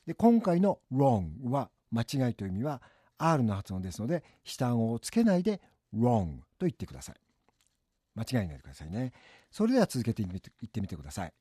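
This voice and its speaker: A man from Japan presenting a short English phrase lesson for a city hall, saying the model phrases slowly for listeners to repeat. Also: medium pitch, huge pitch swings, warm tone, slightly rough, clean studio sound.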